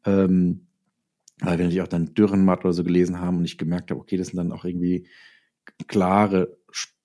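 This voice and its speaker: Male interview guest, middle-aged. Low pitch, dark relaxed tone, halting and thoughtful conversational delivery with frequent self-corrections. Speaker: interview guest, audio drama writer and author.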